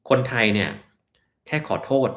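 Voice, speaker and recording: A man's voice: normal speed, a bit bright. A man, a doctor from Thailand, answering viewers' health questions in a casual live stream, blunt and offhand. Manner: blunt, offhand, sometimes mocking in quoted asides.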